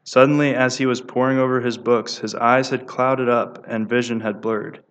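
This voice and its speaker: A man's voice: medium pitch, moderate pace. Man reading devotional stories aloud. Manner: steady reading with small stumbles and restarts. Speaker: speaker giving a devotional talk.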